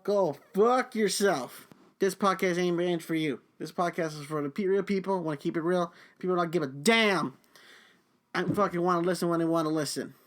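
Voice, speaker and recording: A young man hosting a podcast, venting angrily about his job in a foul-mouthed rant. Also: sits high. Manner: heavy swearing, angry venting. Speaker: podcast host. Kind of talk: profane ranting monologue.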